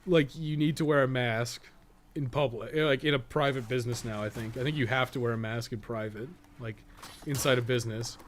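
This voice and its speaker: A Canadian-accented man in his thirties with a mid-pitched voice hosts a gaming stream. He rambles casually and colloquially, swearing freely as he goes. There is noticeable background noise in the recording. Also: steady tone, brisk. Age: 30s. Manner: profane, colloquial. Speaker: gaming livestream host. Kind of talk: casual rambling stream chat while playing.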